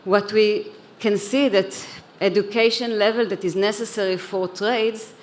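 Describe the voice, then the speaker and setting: A woman's voice: medium pitch, fairly even intonation, measured pace. Woman giving a panel talk, earnest, some stumbles, faint hiss in the background. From Israel. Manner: earnest, a few restarts and repeated words. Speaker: panelist, head of an education organization. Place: conference hall.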